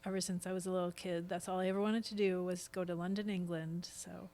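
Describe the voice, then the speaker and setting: A woman's voice: fairly low pitch, flat delivery, fast talker, mellow, soft background music. A woman talking as a guest on a podcast in a chatty, casual way, explaining things as she goes. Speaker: guest, stage actress. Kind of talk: casual podcast interview chat.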